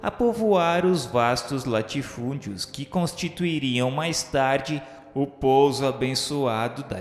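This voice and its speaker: A man with a Brazilian accent reads scripted radio novela narration in a solemn, formal, measured manner. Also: mid-range voice. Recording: echoey reverberant voice over music. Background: music bed.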